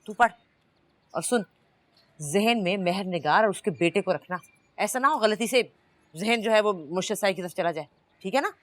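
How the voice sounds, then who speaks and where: An actress playing a bossy, pious household woman who gives brisk commands, in Pakistani Urdu. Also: mid-range voice, lively intonation, natural voice. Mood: commanding. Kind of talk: TV drama acting.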